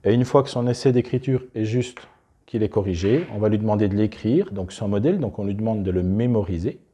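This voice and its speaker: Man, lowish husky voice, deep dark tone, talking through a hands-on classroom demo. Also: a little fast. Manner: unscripted, restarts, talks while handling materials. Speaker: presenter demonstrating a teaching method. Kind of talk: explanatory demonstration.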